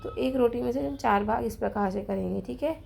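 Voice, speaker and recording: A woman teaching a children's math lesson, who explains slowly and patiently, counts items out loud and keeps checking in with her pupils, with a Hindi accent of Rajasthan. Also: fairly high pitch, creaky, soft background music.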